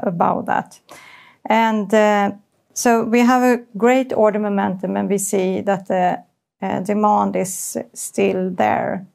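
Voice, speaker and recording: Creaky, even-toned Swedish-accented woman. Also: mid-range voice. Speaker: chief financial officer presenting figures. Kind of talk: corporate earnings presentation.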